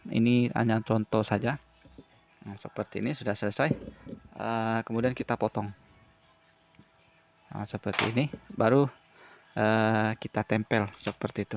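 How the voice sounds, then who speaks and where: Flat-toned man giving a tutorial. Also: lowish voice, vocal fry, muffled recording. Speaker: repair tutorial presenter. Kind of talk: informal step-by-step hands-on tutorial.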